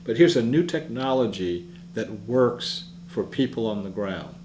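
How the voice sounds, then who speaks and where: A man's voice: fairly low pitch, lively intonation, a little slow. Earnest man speaking in a roomy hall. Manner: earnest, reflective storytelling. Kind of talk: public talk. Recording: roomy echo with faint hum.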